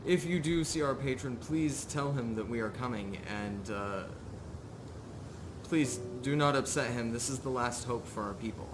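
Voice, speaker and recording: A man voicing an earnest, weary bearded pilgrim in a tabletop game, speaking haltingly and pleadingly. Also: mid-range voice, noisy background, pitched above the performer's own voice, lightly acted.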